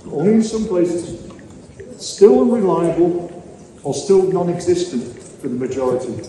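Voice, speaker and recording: A man speaks at a moderate pace with lively intonation. Light background noise and audible room echo are present. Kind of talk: rights speech to a parliament, prepared and formal. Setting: parliament event, address to an audience. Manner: formal; earnest, firm, measured. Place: hall. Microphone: podium.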